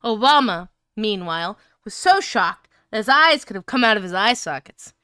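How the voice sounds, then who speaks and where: A woman's voice: medium pitch, animated, moderate pace, sharp tone, clean tone, dry recording, clean studio sound. A woman reading fan fiction aloud in a casual livestream style, breaking up into giggles and swearing as she comments. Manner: crude, swearing banter.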